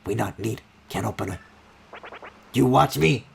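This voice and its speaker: A man voicing a dim, simple brute creature from a video game in slow, broken caveman speech. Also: fairly low pitch, vocal fry, soft background music, pitched below the performer's own voice. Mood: simple, blunt. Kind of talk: video game character read-aloud.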